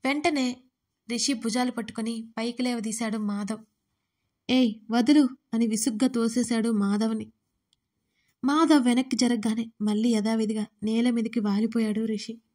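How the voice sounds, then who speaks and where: A woman's voice: a little high, steady tone, normal speed, a little mellow. A woman narrating her own emotional love story in the first person, with dramatic, tearful storytelling. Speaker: writer and narrator of audio stories.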